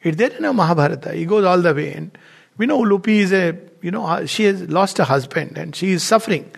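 A man with an Indian accent speaks as a spiritual teacher in an informal discourse. His voice sits quite high for a man and has a marked gravelly creak. He is emphatic and digressive, often repeating a phrase to drive it home. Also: animated, fast talker. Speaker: spiritual teacher giving a talk. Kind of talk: informal discourse with read-out quotations and commentary.

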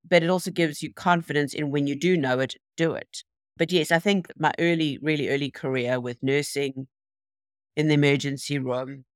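A woman's voice: rumbling low, no room sound, studio quality. A middle-aged woman with a South African accent, a native Afrikaans speaker, chatting reflectively as an interview guest. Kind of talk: casual interview conversation.

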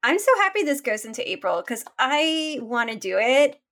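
High-voiced woman, chatty co-host. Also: sing-song, normal speed, a bit bright. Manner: short agreeing backchannels, chatty and enthusiastic. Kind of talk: casual chat.

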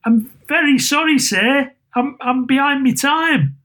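A man's voice: very high voice, measured pace, fairly bright tone, voice pushed up. A man voicing a meek, flustered clerk, stammering and deferential, in a storybook reading. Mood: nervous, apologetic. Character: meek, flustered adult male clerk, apologetic.

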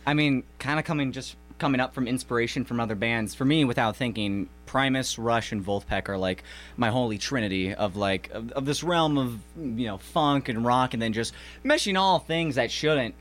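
A nineteen-year-old American man, a bassist, talking in a rambling, laid-back way in a radio studio interview. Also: moderate pace, a bit bright.

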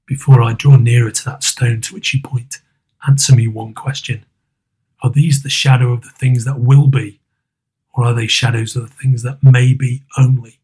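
Hushed old miser, lower and husky, trembling pleas, read by a male narrator. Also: flat delivery, normal speed. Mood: pleading. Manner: hushed, trembling, half-whispered. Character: frightened old miser, pleading.

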